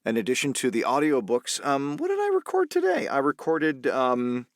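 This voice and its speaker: A man's voice: mid-range voice, huge pitch swings, moderate pace, dry recording, clean studio sound. A man from Canada with a North American accent, a voice actor chatting casually and hesitantly in an interview from a soundproof booth. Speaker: voice actor and audiobook narrator. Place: small soundproof recording booth.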